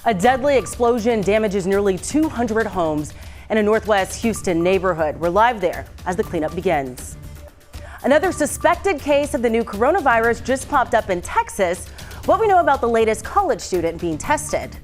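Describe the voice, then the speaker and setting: Female TV news anchor, American accent, medium pitch, scripted broadcast delivery over light music bed. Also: big pitch swings, normal speed. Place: television news studio.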